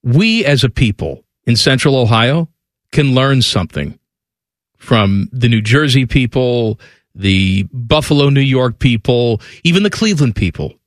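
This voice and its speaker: A man's voice: mid-range voice, expressive, unhurried, no room sound. A man co-hosting a sports radio show in a studio, talking in an opinionated, jokey way. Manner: opinionated, jokey, slips into mocking voices. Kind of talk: casual sports radio chat.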